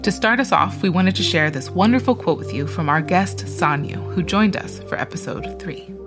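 Woman podcast host, scripted narration, measured, slightly low voice. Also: expressive, over music. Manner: measured, informative, reading.

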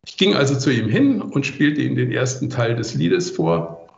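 A man in his sixties giving measured, articulate, reflective answers as an interview guest. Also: medium pitch, very animated, gravelly, darkish tone, reverberant, lo-fi sound. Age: 60s.

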